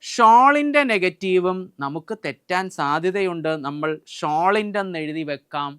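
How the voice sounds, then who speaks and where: A man with a Malayali accent teaches an exam-prep grammar lesson in a high, clear voice. He drills lists aloud and keeps quizzing his viewers with the same question. The sound is dry and close, with no room echo. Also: animated, slow, fairly bright tone. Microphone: filmed by a camera operator.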